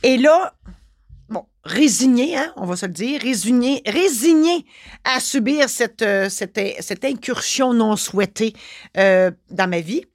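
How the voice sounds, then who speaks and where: A woman with a Québécois French accent tells a story in a casual, expressive podcast monologue. She talks with lots of fillers and restarts. The recording is dry and close, with no room echo. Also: fairly high pitch, unhurried. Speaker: notary and podcast host.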